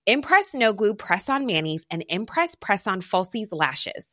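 Bright, lively woman pitching products. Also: a little slow, no echo, clean studio sound. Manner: chatty, enthusiastic. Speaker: advert presenter. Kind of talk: influencer-style scripted ad.

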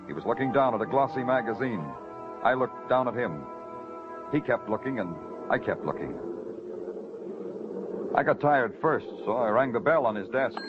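A man's voice: medium pitch, lively intonation, moderate pace, pauses often, over music, lightly acted. An actor playing a world-weary male police detective who narrates a 1950s radio drama tersely. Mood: brooding. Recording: muffled old radio broadcast with score.

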